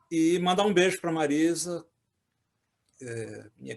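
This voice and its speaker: A man's voice, fairly high in pitch, at a moderate pace. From Rio de Janeiro, Brazil. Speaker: writer, literature teacher. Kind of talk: panel debate closing remarks.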